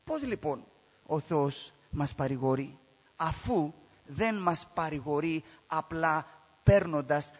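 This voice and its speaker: A high-pitched man preaches a sermon, stressing his points by repeating key phrases and posing rhetorical questions to his listeners. His voice carries a long echo through a church hall, and the recording sounds dull and lo-fi. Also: a little mellow, slightly rough.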